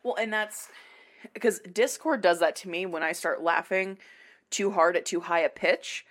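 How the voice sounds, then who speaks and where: A woman hosts a casual podcast chat and rambles through a story, laughing often. She talks at an unhurried pace with a slightly low voice. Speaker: podcast host.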